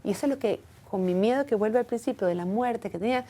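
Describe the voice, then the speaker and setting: Speaking fast in a warm, slightly high voice, a woman reflects earnestly as a guest in a personal interview. Not originally from Israel, she speaks Hebrew with a foreign accent.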